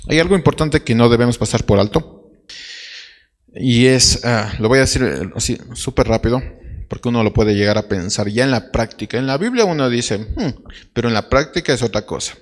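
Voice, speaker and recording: A man's voice: medium pitch, lively intonation, moderate pace. A man preaching a sermon as pastor, directly questioning his congregation.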